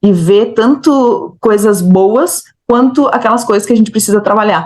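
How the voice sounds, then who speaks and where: The speaker has a strong gaúcho accent, a moderate pace and ordinary pitch variation. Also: woman. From southern Brazil, Rio Grande do Sul (Uruguay border). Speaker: psychologist. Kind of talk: interview.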